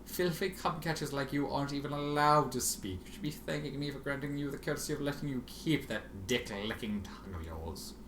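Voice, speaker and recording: A man voicing a cruel female pony sorceress from a story, taunting in a drawn-out, theatrical way. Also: mid-range voice, a bit bright, lightly acted. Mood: mocking. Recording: roomy, faintly noisy home recording.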